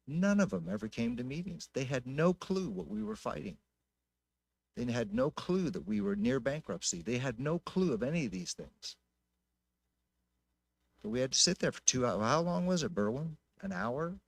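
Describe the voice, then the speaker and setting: A man's voice: mid-range voice, no room sound. An American man speaking off the cuff as a city council member at a public meeting, emphatic and prone to repeating his points. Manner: emphatic, repetitive. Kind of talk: impromptu public meeting remarks.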